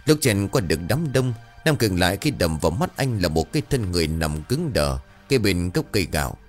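A man narrating a ghost story, reading it aloud in an expressive way and voicing the characters' dialogue. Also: low-pitched, a little fast, faint music behind.

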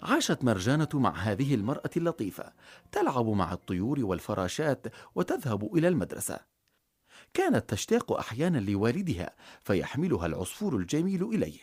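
Expressive storybook narrator, husky voice. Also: mid-range voice, fast talker. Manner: expressive, dramatic.

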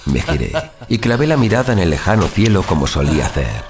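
A very low, expressive male voice acted by a man tells a horror tale as a sadistic young vigilante. He savors his words with sardonic, dark glee and a literary turn, over clear background music. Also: fast, exaggerated voice. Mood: dark relish. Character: small, scrawny young immortal vigilante killer, sadistic, darkly gleeful. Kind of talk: scripted first-person horror audio drama narration.

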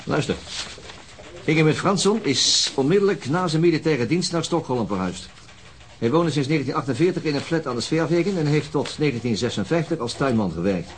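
An actor playing a terse, brooding police detective in charge, in a radio crime drama. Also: male voice, on the high side, expressive, a little fast, slight background noise, lightly acted. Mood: businesslike.

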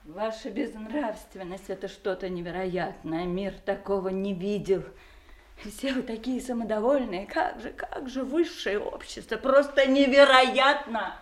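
An actress playing a bitter, wounded adult daughter, scornful and accusing, in a theatrical audio drama. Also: female voice, mid-range voice, a little slow, lightly acted. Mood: cold contempt. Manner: scornful, accusing, emphatic repetition.

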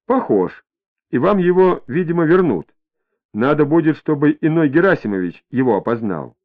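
Calm young detective, read by a guy, measured questions, lively tone, tinny phone-like audio. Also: fairly high pitch. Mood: calm, probing. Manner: measured, politely probing. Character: calm, probing young male investigator.

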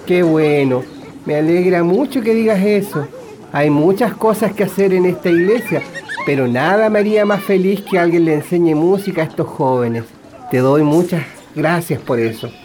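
Male actor: kindly priest in a radio play, fatherly, encouraging, mid-pitched. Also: normal speed, darkish tone, a little hiss or hum, lightly acted. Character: kindly middle-aged parish priest. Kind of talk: radio drama acting.

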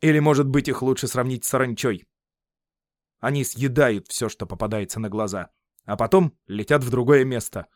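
Brief: eager Roman officer, lively and explanatory, voiced by the audiobook narrator. Dry, close sound. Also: male voice, mid-range voice, moderate pace, no echo, lightly acted. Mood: explaining. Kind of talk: audiobook character reading.

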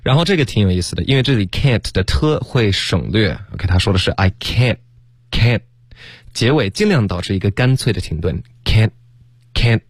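A man co-hosting a radio English lesson, explaining how to shape the lips and modelling phrases slowly. He laughs often between explanations. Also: lowish voice, lively intonation, husky, no room sound, clean studio sound. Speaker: English pronunciation teacher, co-host. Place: radio studio.

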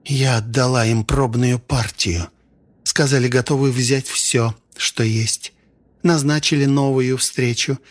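A man's voice: medium pitch, steady tone, slow pace. A man voicing a harsh, bald female tribal missionary leader who speaks in a hissing, menacing way. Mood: matter-of-fact.

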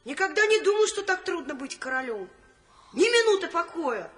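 A woman's voice: very high-pitched, very animated, moderate pace, crowd noise. A woman voicing a weary young pauper boy who has become king, talking in an exasperated, pleading way.

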